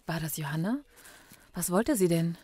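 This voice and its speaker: An actress playing a caring female detective and friend in a radio crime drama, teasing and warm. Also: on the low side, lively intonation, moderate pace, husky, no room sound. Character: female police colleague Sibylle, caring friend.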